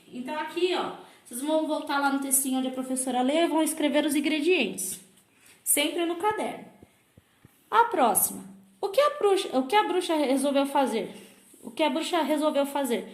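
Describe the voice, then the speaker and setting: A woman with a Brazilian Portuguese accent, a primary school teacher giving a recorded lesson to children and sounding out words slowly, syllable by syllable. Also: high voice. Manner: slow, exaggerated syllable-by-syllable explanations. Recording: echoey room.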